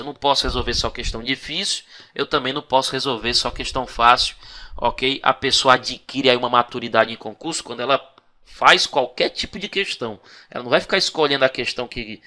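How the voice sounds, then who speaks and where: A man teaching an exam-prep video lesson, lively and coaxing, always checking in with his students. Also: mid-range voice.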